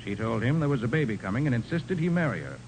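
Through the rumble and hiss of an old radio recording comes an assured private detective. His medium-pitched voice is brisk and authoritative, delivered in crisp 1940s crime drama style. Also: big pitch swings, rough recording. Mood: explanatory, assured. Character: confident, commanding male private detective.

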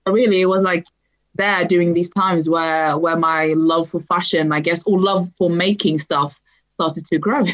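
A woman's voice: on the low side, fairly even intonation, moderate pace, lo-fi sound. A young woman from Libya who grew up in Sweden, talking casually as a podcast guest, with many fillers and restarts. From Libya, raised in Sweden. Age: young adult. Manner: chatty, many fillers and restarts, laughs lightly. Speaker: podcast guest, writer and activist. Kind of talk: casual interview chat.

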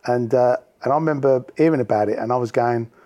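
A man's voice: medium pitch, fast talker, mellow. A middle-aged man, hosting a podcast in a casual, chatty interview style. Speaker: podcast host.

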